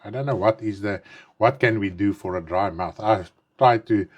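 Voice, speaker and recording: A man's voice: on the low side, moderate pace, breathy edge. A man in his fifties whose first language is Afrikaans, preaching an online sermon in English with an Afrikaans accent. He talks earnestly, repeating and rephrasing himself with emphatic stresses, and says his mouth is dry. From South Africa. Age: 50s. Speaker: pastor.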